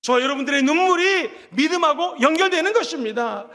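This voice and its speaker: A man's voice: very high-pitched, expressive, a little fast, pushed and bright. A man preaching a sermon as pastor, with impassioned delivery that rises into calls of blessing. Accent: Korean. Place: church sanctuary. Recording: echoey church hall.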